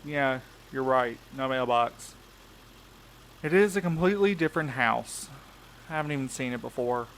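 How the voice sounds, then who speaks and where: A wary male courier acted by a man in an audio drama, speaking in a middle-pitched, wry and informal voice. He is sarcastic and naturalistic, with clear night-time insect noise behind him. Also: animated, moderate pace, fairly bright tone. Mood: puzzled.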